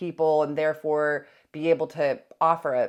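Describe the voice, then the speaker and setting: The background is quiet. A woman is speaking. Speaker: health coach. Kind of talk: casual vlog talk to camera. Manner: animated.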